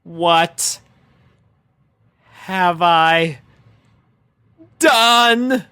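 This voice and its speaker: A man's voice: high voice, very slow, sharp tone, clear, resonant tone, no room sound, pitched above the performer's own voice, heavily acted. A man voicing a brash, hot-tempered female cartoon pegasus pony in an exclamatory, exasperated way. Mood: alarmed realization. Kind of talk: animated fan fiction character reading.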